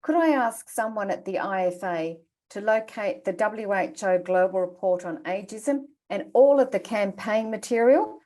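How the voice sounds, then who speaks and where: Woman, moderator, mid pitch, encouraging, asks open questions, video call. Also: warm tone. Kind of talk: online panel conversation.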